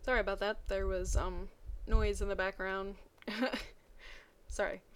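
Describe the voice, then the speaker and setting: A woman's voice: mid-range voice, little pitch movement, slow pace, clean tone. A woman reading a story aloud dramatically, breaking off for playful, mocking asides. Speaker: reader of fan fiction.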